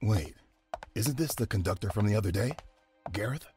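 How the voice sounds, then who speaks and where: A man's voice: lowish voice, expressive, normal speed, mellow, soft background music, natural voice. An actor playing an observant, curious male detective partner.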